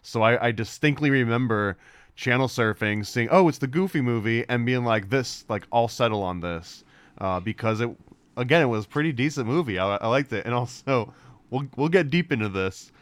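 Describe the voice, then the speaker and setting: A man's voice: mid-range voice, moderate pace, smooth, no room sound. A man who is a guest on a casual podcast chat, joking in a wry, mock-stubborn way. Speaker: podcast guest, comic book creator.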